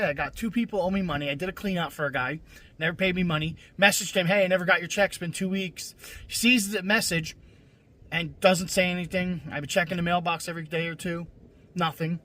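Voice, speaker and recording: A man's voice: high voice, fairly bright tone. A man talking casually on his vlog, blunt and venting, swearing freely and restarting his sentences often. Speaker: scrap-metal vlogger. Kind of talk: casual rambling vlog talk.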